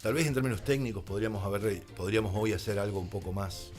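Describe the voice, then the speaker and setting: An Argentine man speaking as a radio guest, explaining things in an articulate, reflective way with deliberate phrasing. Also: on the low side, fairly even intonation, loud music behind the voice. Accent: Argentine Spanish. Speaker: radio guest, radio drama creator. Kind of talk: reflective radio interview conversation. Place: radio studio.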